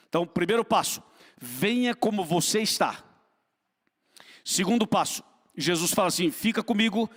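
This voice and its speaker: High-voiced fervent preacher in an echoing church. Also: male voice, a bit bright. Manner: fervent, repetitive, asks the congregation for responses. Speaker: pastor. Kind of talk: sermon.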